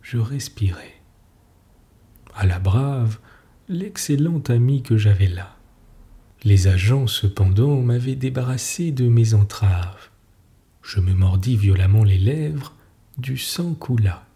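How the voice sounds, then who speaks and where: A man narrating a story in a calm, deliberate reading voice. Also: medium pitch. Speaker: audiobook narrator.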